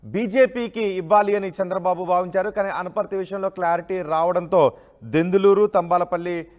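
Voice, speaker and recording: A man's voice: sits high, steady tone, normal speed, darkish tone. A man anchoring a live news bulletin and putting questions to a field reporter.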